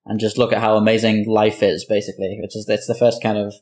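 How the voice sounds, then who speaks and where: A man's voice: on the low side, flat delivery, fast talker, darkish tone. A man chatting casually as a panelist in a roundtable discussion. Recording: echoey, roomy sound.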